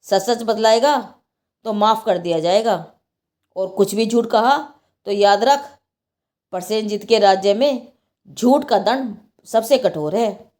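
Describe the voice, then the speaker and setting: A woman's voice: medium pitch, slow, close to an everyday voice. Woman voicing a stern, commanding king. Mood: stern warning. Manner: commanding, sharp. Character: stern, shrewd but just king.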